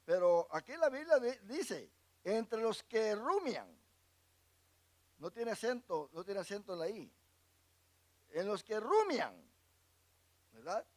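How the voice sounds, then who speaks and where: A male pastor teaching a Bible class, reading verses aloud and asking the congregation questions for them to answer. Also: high voice. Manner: asks the congregation questions and lets them fill in words; reads scripture verses aloud and explains them.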